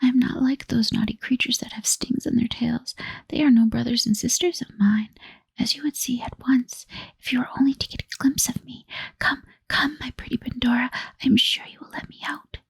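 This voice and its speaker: A bright, coaxing little fairy speaks in a hushed whispered role-play, voiced by a woman. The whisper is breathy and a little gravelly, set slightly high. The sound is dry and close. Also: fairly even intonation, normal speed, no echo, heavily acted. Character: cheerful winged fairy girl Hope, coaxing.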